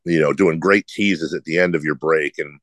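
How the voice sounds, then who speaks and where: A man's voice: extremely low pitch, fairly even intonation, normal speed, a bit bright, no room sound, studio quality. A middle-aged man who hosts sports radio, with a slight lisp and a nasal, droning voice, answering interview questions in a rambling, self-deprecating way.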